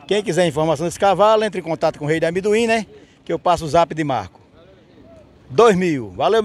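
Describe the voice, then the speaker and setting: A man with a Northeastern Brazilian accent reports casually from an open-air market. His voice sits a little high. He talks familiarly to the people around him and leans on short, repeated catchphrases. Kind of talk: casual on-location vlog commentary and interviewing. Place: outdoor dirt-lot livestock market with trucks.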